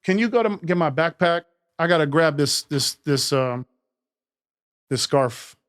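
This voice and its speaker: A man's voice: a little high, expressive, measured pace, a bit bright, clear, resonant tone. A man hosting a casual podcast conversation who speaks earnestly, often hesitates with fillers, and answers with short affirmations. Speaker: podcast host.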